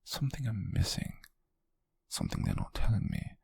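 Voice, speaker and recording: A British man playing a possessive, softly menacing rich captor in an intimate ASMR roleplay, murmuring in a breathy, husky voice with slow, coaxing deliberation. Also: deep voice, wildly swooping pitch, full character voice. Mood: intrigued, probing. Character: possessive, softly menacing wealthy male captor, obsessive and doting. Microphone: close microphone, dry.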